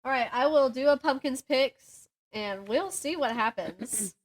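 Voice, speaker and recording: A young woman with a fairly high voice talks casually about books as a podcast co-host. She giggles easily, pokes fun at herself and slips between chatting and reading aloud. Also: unhurried, low-quality recording. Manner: giggly, self-deprecating. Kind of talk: casual book chat with synopses read aloud.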